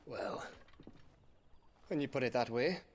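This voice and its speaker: An actor playing a cheeky, eager young scout and loyal sidekick in a video game. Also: male voice, medium pitch, takes it slowly, natural voice. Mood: grumbling, cheeky. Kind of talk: cinematic game cutscene acting.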